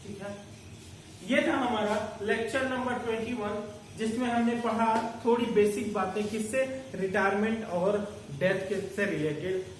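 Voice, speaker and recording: A male commerce teacher with a high-sitting, steady voice speaks a little slowly as he breaks down an accounting lesson step by step. He refers to his students as "beta," and the sound is distant, very echoey, and lightly noisy.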